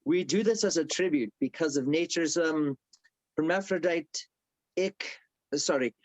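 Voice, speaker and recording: A man's voice: a little high, unhurried, no echo, natural voice. A man playing a welcoming village elder in his fifties, effusive and playful, in a script read recorded with slightly muffled call audio. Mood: jovial. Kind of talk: table read of a film script.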